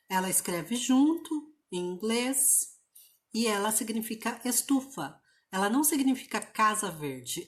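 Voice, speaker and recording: A woman from Brazil teaching an online English lesson, explaining pronunciation rules patiently and repeating example words slowly. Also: fairly high pitch, a bit bright.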